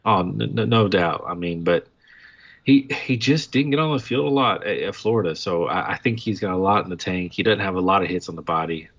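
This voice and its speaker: Low-pitched guy talking fantasy picks on a muffled lo-fi mic, eager and chatty. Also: fairly quick, fairly bright tone. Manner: enthusiastic, analytical, lists examples. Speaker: podcast co-host. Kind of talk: casual sports podcast chat.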